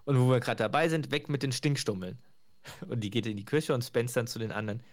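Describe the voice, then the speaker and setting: A man's voice: mid-range voice, quick pace. A man hosting a podcast, casually retelling sitcom scenes, often laughing and lightly acting out the quotes. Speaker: podcast host.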